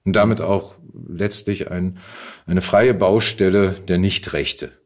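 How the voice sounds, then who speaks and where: A middle-aged man with a deep voice speaks as an interview guest. He tells his stories in a casual, conversational style. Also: steady tone, slow pace. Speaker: podcast guest, actor and voice actor.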